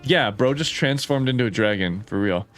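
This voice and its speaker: A man doing casual live-stream commentary on game footage, reacting excitedly with bro-ish slang and swearing, like a frat bro. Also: mid-range voice, normal speed, soft background music. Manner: animated reactions with frequent laughing and swearing.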